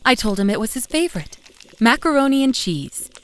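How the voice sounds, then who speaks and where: An actress playing a loving, anxious young mother, narrating her memories in an expressive, conversational way for a scripted audio drama. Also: a little high, fairly quick. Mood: fond, patient. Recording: faint music behind narration.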